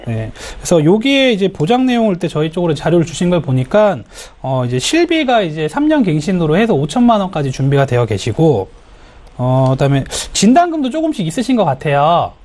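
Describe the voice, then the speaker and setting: Man, insurance expert, friendly explainer, lots of fillers, high voice. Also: wildly swooping pitch, a little fast, a little mellow. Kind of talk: phone consultation advice.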